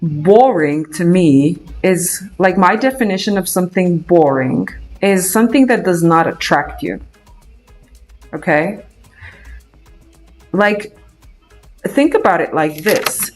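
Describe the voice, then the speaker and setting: A man's voice: high voice, lively intonation, slow, pauses often, soft background music. A young man from Romania with a Romanian accent, chatting casually on a live trading stream, thinking aloud with many fillers and restarts. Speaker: day trader streaming live.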